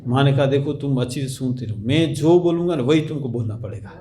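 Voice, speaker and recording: A monk giving a religious discourse, telling stories gently and often checking with his listeners. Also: mid-range voice, quick pace. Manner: gentle storytelling, often asks listeners "ठीक है ना?" with soft laughs. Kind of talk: sermon.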